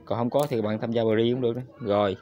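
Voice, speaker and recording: A man's voice: medium pitch, steady tone, quick pace, dull audio, soft background music. A man hosting a screen-recorded crypto tutorial, talking viewers through each step and repeating his address to them constantly. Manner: repetitive, addresses viewers constantly as "các bạn".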